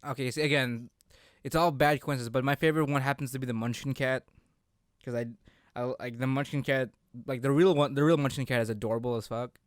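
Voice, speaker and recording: Smooth, dry-sounding young man, halting delivery. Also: mid-range voice, steady tone, no room sound. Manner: halting, repeats himself. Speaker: co-host of a gaming discussion. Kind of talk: casual unscripted chat.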